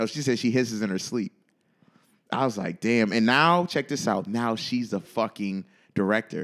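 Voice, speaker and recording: On a very clean recording with a silent background, a man with an American accent speaks in an animated tone at a medium pitch and moderate pace, with ordinary pitch variation. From Buffalo, New York. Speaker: podcast co-host. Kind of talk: casual chat.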